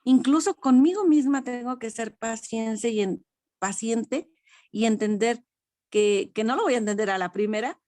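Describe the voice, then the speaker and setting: A woman's voice: fairly high pitch, normal speed, darkish tone, dry recording, clean studio sound. An older woman with a Mexican accent, sharing a personal spiritual testimony in a frank, self-deprecating way and laughing often. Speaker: study group participant.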